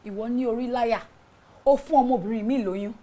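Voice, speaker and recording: An actress with a Nigerian accent playing a furious betrayed young wife who shouts, curses and mixes Yoruba with English. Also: female voice, fairly high pitch, fast talker, lightly acted. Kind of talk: film drama acting.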